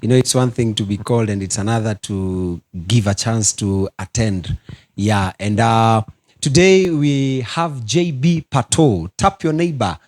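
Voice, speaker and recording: Animated male talk show host. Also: on the low side. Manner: animated, drawn-out emphatic delivery. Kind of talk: studio talk show interview. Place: studio.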